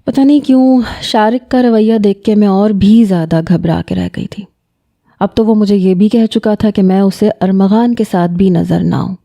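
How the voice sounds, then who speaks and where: Woman narrator, mellow voice, calm measured first-person romance reading. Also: mid-range voice, vocal fry.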